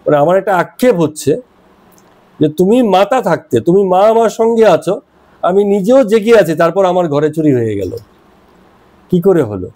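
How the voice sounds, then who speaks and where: A man's voice: high-pitched, sing-song, a little fast, mellow. A man reading a devotional text aloud and explaining it, retelling the scenes and glossing words as he goes. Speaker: reader and explainer of scripture.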